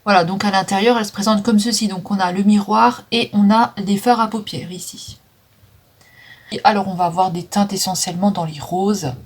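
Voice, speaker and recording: A woman's voice: medium pitch, fairly even intonation, normal speed, husky. A woman chatting casually through a makeup declutter, with frequent fillers, stumbling over English names. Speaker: vlogger selling makeup. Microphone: phone.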